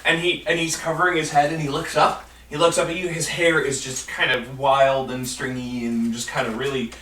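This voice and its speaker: Male game master, halting improvised tabletop narration, bright tone, distant mic in a roomy space. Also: mid-range voice, little pitch movement, a little hiss or hum. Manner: halting, searching for words. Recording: echoey room, distant mic, background music.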